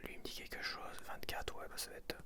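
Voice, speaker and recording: Male ASMR creator. Whispered, casual, unhurried murmuring in short fragmentary remarks, addressed to the listener. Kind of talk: whispered ASMR, casual sticker-unboxing commentary.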